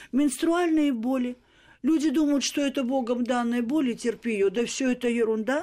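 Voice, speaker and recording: A woman's high, dark and mellow voice at a moderate pace, with ordinary pitch variation and very even loudness. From Georgia, Tbilisi. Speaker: obstetrician-gynecologist, academic. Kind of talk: radio interview. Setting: studio.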